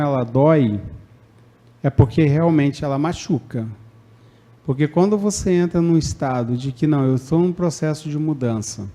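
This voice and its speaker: Brazilian male lecturer in his thirties, conversational sermon style, slightly high, mellow tone. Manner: conversational, acts out quoted lines, frequent "né?" tags. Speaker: spiritist lecturer. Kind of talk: public talk on forgiveness. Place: spiritist centre lecture hall.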